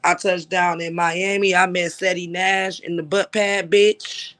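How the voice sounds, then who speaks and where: High-voiced man ranting on a livestream. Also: flat delivery, a little slow, fairly bright tone. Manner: emphatic, profane, repeats "like I said". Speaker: livestream host. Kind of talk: casual livestream talk.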